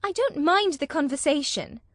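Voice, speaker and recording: A woman doing a lovesick, indignant young girl with a high voice. She pleads and protests petulantly. The voice is recorded close and dry, like an audiobook. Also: expressive, normal speed, dry recording. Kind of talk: audiobook character voice.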